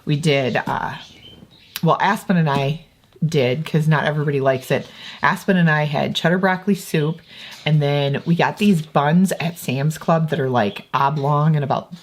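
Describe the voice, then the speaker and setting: A woman's voice: sits low, normal speed. A woman, chatting casually to the camera at home in a rambling, self-correcting way. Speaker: vlogger and homeschooling mother. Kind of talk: casual vlog chat. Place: at home indoors.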